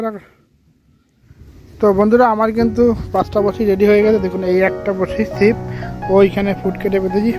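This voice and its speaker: A man narrating his own fishing trip at a rural pond, chatting casually to viewers and sometimes speaking softly. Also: sits high. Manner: chatty, addresses viewers as friends, talks quietly at times. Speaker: fishing vlogger. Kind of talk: casual outdoor vlog narration.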